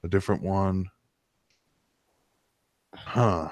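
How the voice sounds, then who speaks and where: Low-voiced man rambling through a casual story. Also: steady tone, extremely slow, dry recording. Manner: rambling, profane. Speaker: stream host.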